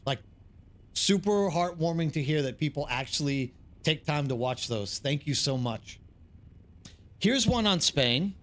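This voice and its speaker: Chatty American man, slightly high voice. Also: a bit bright. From East Texas, United States. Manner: chatty, rambling, informal. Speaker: live streamer. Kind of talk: casual chat with livestream viewers while gaming.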